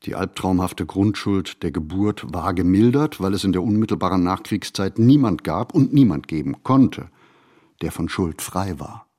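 An actor playing a reflective writer in a literary radio play, speaking his monologue in measured, deliberate phrases. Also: low voice, expressive, dark tone. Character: reflective male writer musing on writing and society. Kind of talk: literary radio play monologue, scripted first-person narration.

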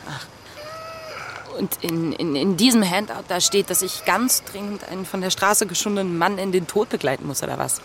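A woman playing a distressed but defiant and compassionate thirties character in a naturalistic radio drama, speaking haltingly. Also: fairly low pitch, a little hiss or hum, lightly acted. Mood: exasperated, hurt. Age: 30s.

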